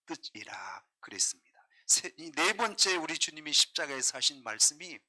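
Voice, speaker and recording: A pastor preaches in a very animated way at a normal speed, his somewhat high voice carrying a very bright, piercing edge. He keeps putting questions to the congregation and swings between hushed asides and loud, driving emphasis.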